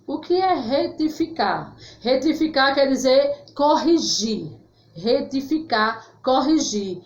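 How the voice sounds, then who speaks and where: A woman's voice: high-pitched, animated. A woman teacher giving a grammar lesson to children in Brazilian Portuguese, spelling out words carefully and checking in with "tá certo?", calling her pupils "my loves.". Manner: slow, clearly spelled-out words with frequent "tá certo?" check-ins; affectionate, calls pupils "meus amores". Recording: echoey room, slightly dull sound.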